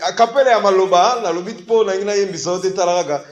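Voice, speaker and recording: Man, TV host, long-winded questions, high voice, roomy echo. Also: quick pace, highs cut off. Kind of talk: TV studio interview.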